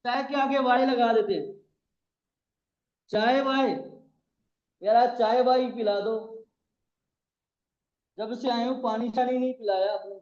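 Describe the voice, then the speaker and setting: A man's voice: very high voice, steady tone, slow pace, long pauses, darkish tone. A man with a Pakistani Urdu accent giving a classroom grammar lecture, repeating terms and spelling them out letter by letter. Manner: repetitive, spells out words letter by letter. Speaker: Arabic grammar teacher. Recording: echoey room, dull lo-fi sound.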